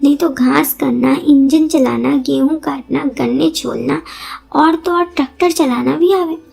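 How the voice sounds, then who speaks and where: A woman's voice: sits high, unhurried, gravelly, a little mellow, exaggerated voice. A woman voicing a playful young village sister-in-law who teases in a rustic dialect. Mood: teasing.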